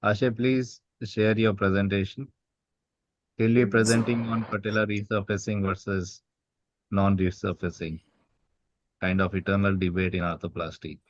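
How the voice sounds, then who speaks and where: A man with a lowish voice and an Indian accent moderates a session informally. The sound is dry and a little dull, like an online meeting. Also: little pitch movement, moderate pace, dry recording.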